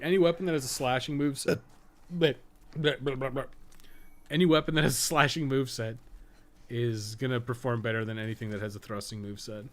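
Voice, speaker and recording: A man giving casual, unscripted gameplay commentary as a streamer, rambling and thinking aloud with frequent swearing. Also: mid-range voice. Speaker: game streamer and podcast co-host. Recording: clearly noisy background.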